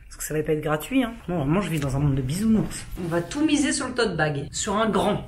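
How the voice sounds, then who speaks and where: Here a young woman in her twenties talks fast and expressively in a lowish, slightly mellow voice, with a little hiss or hum in the recording. It's a casual vlog filmed indoors at home, where she teases and mocks herself playfully.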